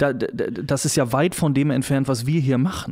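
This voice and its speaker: At a moderate pace and with fairly even intonation, an ordinary speaking voice carries on. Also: man. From Germany, Cologne. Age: 30s. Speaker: hip-hop business consultant, company founder. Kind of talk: podcast interview. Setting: studio.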